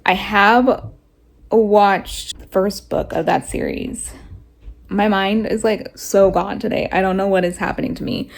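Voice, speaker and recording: Stuffy, rough-voiced young woman vlogging. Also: mid-range voice, fairly even intonation, unhurried. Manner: rambling, lots of "like" fillers. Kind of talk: casual chat to camera.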